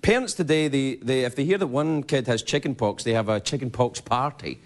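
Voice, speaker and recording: A man doing a rambling stand-up monologue, slipping into silly voices for quick bits. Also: medium pitch. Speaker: stand-up comedian. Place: comedy stage before a live audience. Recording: live room with loud audience laughter.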